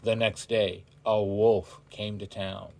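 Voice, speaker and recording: A man's voice: fairly low pitch, little pitch movement, takes it slowly, vocal fry, warm tone. A man reading a children's story aloud in a theatrical way, drawing out words for emphasis and speaking directly to his listeners. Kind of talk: animated children's story narration.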